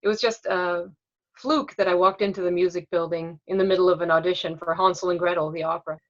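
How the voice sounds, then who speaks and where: A woman who grew up in Sweden looks back on her life, candid and reflective. Her voice sits on the low side. The recording is a little dull and lo-fi. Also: steady tone, fast. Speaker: interviewee. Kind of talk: documentary interview, recounting.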